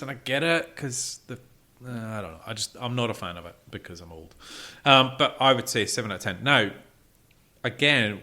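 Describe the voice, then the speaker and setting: A man's voice: mid-range voice, pushed and bright. A middle-aged man chatting casually as co-host of a music review podcast. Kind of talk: casual chat.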